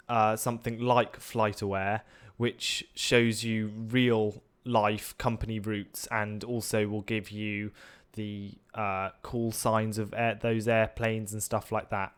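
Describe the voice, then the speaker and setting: A man's voice: fairly low pitch, clean tone. A young man co-hosting a flight-sim tutorial, explaining things step by step with some hesitation and fillers.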